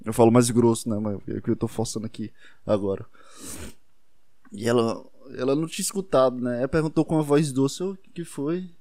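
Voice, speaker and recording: A young man with a Brazilian accent talks in a loose, rambling monologue, full of swearing and self-deprecating asides. His voice is soft and warm rather than bright. It sounds dry and close, with no room around it. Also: mid-range voice, fairly even intonation, fairly quick, dry recording. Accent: Brazilian Portuguese.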